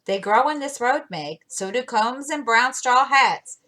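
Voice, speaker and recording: A woman's voice: fairly high pitch, expressive, a little slow, bright, forceful tone, pitched above the performer's own voice. A woman reading aloud and voicing a playful, good-natured young man in a storybook. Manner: playful and teasing.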